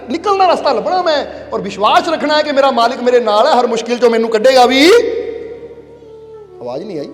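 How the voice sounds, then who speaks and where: A man preaching a sermon, emphatic and repeatedly quizzing his listeners. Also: extremely high pitch. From Punjab, India. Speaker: spiritual preacher. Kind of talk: sermon to a congregation. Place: large worship hall. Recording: echoey hall with faint music.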